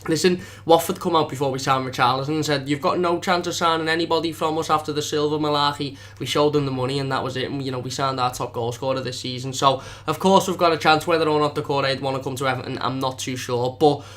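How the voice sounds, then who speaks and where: A man's voice: on the high side, fairly even intonation, a bit bright. A young man hosting a casual live stream as a fan channel host, rambling with lots of fillers, feeling slightly under the weather. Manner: fast, rambling, filler-heavy.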